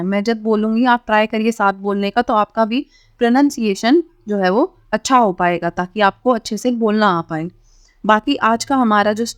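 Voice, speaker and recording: A woman's voice: medium pitch, clean tone, no echo, studio quality. A woman with an Indian accent teaching a language lesson step by step, in an instructional way with frequent short check-in tags. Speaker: English teacher, channel host.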